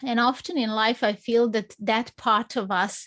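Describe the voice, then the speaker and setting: At a fairly slow pace, a woman speaks in a plain, everyday voice with fairly high pitch and fairly even intonation. The sound is dry and close with no echo over a quiet background. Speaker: podcast host. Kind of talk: podcast interview, casual conversation.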